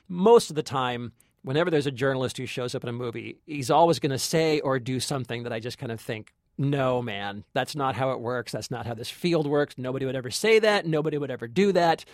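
A man's voice: medium pitch, a little fast, no echo. Man reviewing films, close dry sound. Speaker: podcast co-host, film critic. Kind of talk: conversational film review.

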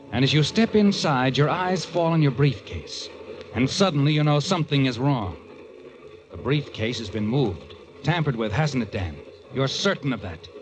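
An American actor playing an insinuating, all-knowing narrator who needles the character in a 1940s radio thriller. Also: male voice, medium pitch, background noise, close to an everyday voice. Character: the Whistler, taunting all-knowing male narrator of crime tales. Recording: muffled old radio recording under music. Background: dramatic music.

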